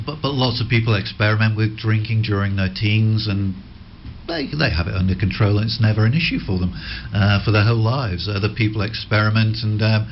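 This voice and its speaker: A man hosting a radio station interview in the studio, asking gentle, rambling questions with many restarts. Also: fairly low pitch, muffled recording, slight background noise. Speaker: radio host.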